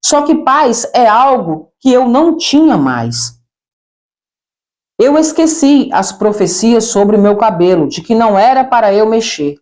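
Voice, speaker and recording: Expressive Brazilian woman narrating a testimony. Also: a little high, a little slow. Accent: Brazilian Portuguese. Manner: expressive, addresses listeners as brethren.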